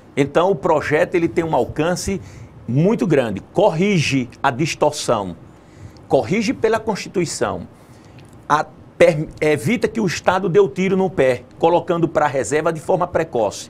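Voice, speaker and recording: Fairly high for a man, his voice carries vocal fry and lively intonation at a moderate pace. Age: 60s. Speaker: military police colonel. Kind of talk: TV interview. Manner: animated.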